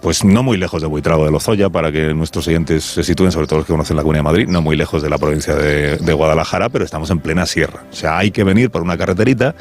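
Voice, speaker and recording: Low-voiced chatty radio host. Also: male voice, fast, few pauses, faint music behind. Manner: chatty, playful, self-interrupting. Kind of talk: live radio talk and interview. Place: village square outdoors.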